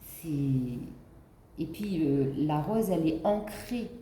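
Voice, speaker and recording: A woman's voice: deep voice, lively intonation, extremely slow, warm tone, roomy sound, a little hiss or hum. A woman with the flu giving a casual spiritual card reading, rambling with many fillers and restarts. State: has the flu. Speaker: card reader.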